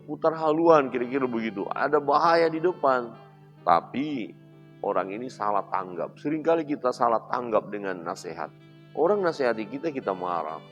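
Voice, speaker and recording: A man preaching a sermon as a pastor, animated, acting out the voices of the people in his examples. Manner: animated preaching, acting out quoted voices with big swings in pitch and loudness.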